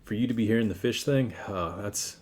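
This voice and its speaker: A man's voice: fairly low pitch, brisk, a little mellow. A man playing a tabletop game, improvising casually in informal, sweary talk. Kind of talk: casual improvised role-play chat.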